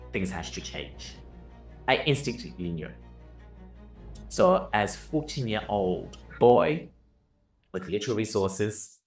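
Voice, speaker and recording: A man from Zimbabwe, a business and leadership coach, telling his own life story in an earnest, reflective way. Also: fairly low pitch. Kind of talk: personal story told over music. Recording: roomy, somewhat distant mic with soft music. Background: soft violin music.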